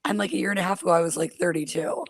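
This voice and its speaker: A woman's voice: fairly low pitch, steady tone, rapid-fire, no echo, studio quality. A woman in her forties with a super scratchy voice, chatting as a podcast guest in a self-deprecating, laughing way. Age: 40s. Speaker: guest comedian. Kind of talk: casual podcast chat.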